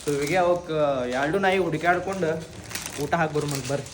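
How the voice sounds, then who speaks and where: A YouTube vlogger from Karnataka, India, chats casually and informally to his viewers with a North Karnataka accent, dropping in English phrases. His voice is fairly high and steady, a little fast, and the recording carries a slight hiss or hum.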